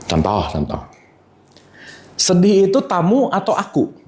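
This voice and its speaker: Man, spiritual teacher, lively sing-song delivery, quizzes listeners. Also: sits high, a little slow, slight background noise. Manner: lively, keeps quizzing the audience. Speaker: religious teacher. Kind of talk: informal spiritual lecture to a live audience.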